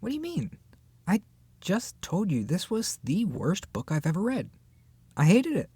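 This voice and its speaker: A voice actor playing an irritated book club member ranting in a one-sided roleplay, exasperated and sarcastic with dramatic pauses. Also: mid-range voice, wildly swooping pitch, mellow, husky, dry recording, full character voice. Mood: indignant.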